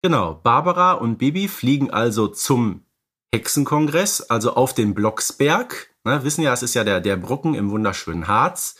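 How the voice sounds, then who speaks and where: A man's voice: medium pitch, lively intonation, moderate pace, fairly bright tone, slightly rough. A young adult man co-hosting a podcast, casually explaining films and often checking for agreement with little tag questions. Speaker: podcast co-host. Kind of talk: casual film discussion.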